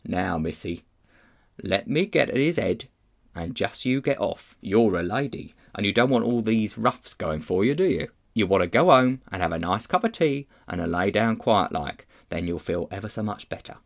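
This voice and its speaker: A gruff but kindly storybook cabby, acted by a man. His speech is earnest, homely and working-class, with lively rises and falls. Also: mid-range voice, a little fast, pitched above the performer's own voice. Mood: coaxing. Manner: colloquial, ungrammatical, earnest.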